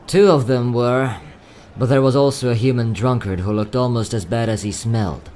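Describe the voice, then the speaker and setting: A man playing a courteous, quietly sad young travelling merchant in a fantasy audio drama, speaking in polite, theatrical salesman's patter. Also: mid-range voice, normal speed, a little hiss or hum, close to an everyday voice. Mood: earnest. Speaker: voice actor.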